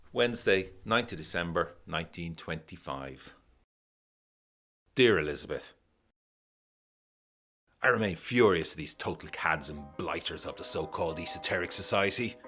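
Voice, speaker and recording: Very deep-voiced, brooding 1920s gentleman. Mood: indignant. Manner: formal, period diction, measured with dramatic emphasis. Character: indignant, brooding 1920s gentleman, worried and old-fashioned. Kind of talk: gothic audio drama letter narration.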